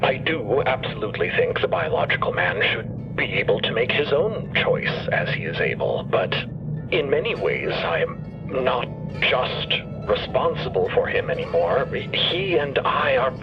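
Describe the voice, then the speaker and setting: A man acting an earnest, thoughtful character in an audio drama, speaking in formal, deliberate phrases. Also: medium pitch, sing-song, lo-fi sound, over music, natural voice.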